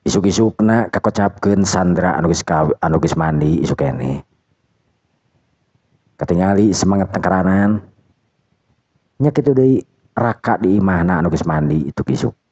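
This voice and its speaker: Deep-voiced male folk storyteller. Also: normal speed, pauses often, a little mellow, no echo. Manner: rambling, self-correcting storytelling. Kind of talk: folk tale narration. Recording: dull dry lo-fi recording.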